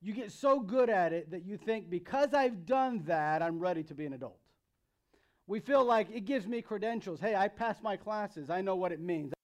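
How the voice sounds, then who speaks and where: A man's voice: high voice, expressive, normal speed. A man in his thirties with an American accent gives a sermon to young people as their pastor, conversational and emphatic, repeating phrases for emphasis. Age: 30s. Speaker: youth pastor preaching.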